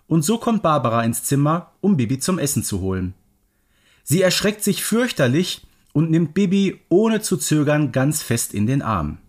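Male storyteller for children's audio, animated melody, lighter register. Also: a little high, moderate pace. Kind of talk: scripted story narration for children.

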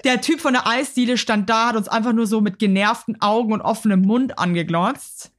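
Storytelling woman, slightly high voice. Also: fairly quick. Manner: lively anecdote telling, frequent swearing. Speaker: podcast co-host. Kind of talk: casual chat.

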